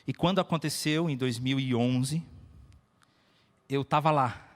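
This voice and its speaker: A Brazilian man, a pastor, preaches with emphasis, weaving in personal stories and repeating phrases for effect. His voice is medium-pitched and measured in pace, and the sound echoes through a hall with long reverb.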